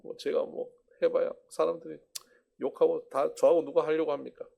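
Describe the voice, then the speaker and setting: A man's voice: fairly high pitch, level tone, moderate pace, gravelly, warm tone, pitched above the performer's own voice. A man voicing a downcast, timid young male disciple who asks disbelieving questions.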